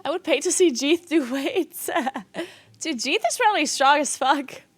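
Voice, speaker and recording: A woman with a high voice and a South Tyrolean accent, speaking English as a second language. She chats casually as a game streamer, in a giggly manner. The sound is dry, with very little room echo. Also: animated, unhurried. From South Tyrol, Italy. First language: not English. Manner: giggly, laughs often while talking. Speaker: game streamer and esports caster. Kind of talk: casual livestream chat.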